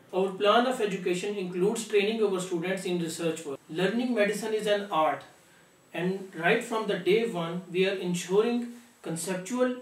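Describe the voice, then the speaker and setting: A young man giving a formal, scripted promotional address as an academic director. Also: sits high. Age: young adult. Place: small office, seated at desk. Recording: echoey room, distant mic.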